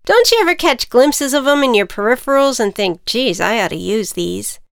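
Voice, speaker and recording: A woman's voice: on the high side, animated, normal speed, gravelly, smooth, dry recording, clean studio sound, pitched above the performer's own voice. A woman voicing a sassy, pushy little ant who teases and coaxes, in a read-aloud storybook. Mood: needling. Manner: sassy, needling, persuasive.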